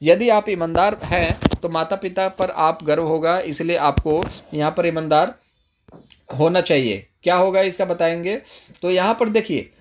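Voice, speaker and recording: Speaking at a moderate pace in a fairly high voice, a male teacher explains exam-prep material step by step, talking directly to viewers and often repeating and rephrasing points. A little hiss or hum is audible in this lecture.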